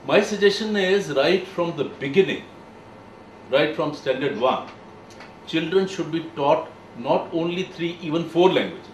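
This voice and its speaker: A man, giving firm, opinionated views in a group discussion, speaking with pauses and emphasis. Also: a little high, animated, slight background noise. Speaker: panel discussant. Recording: echoey room, distant mic, faint background.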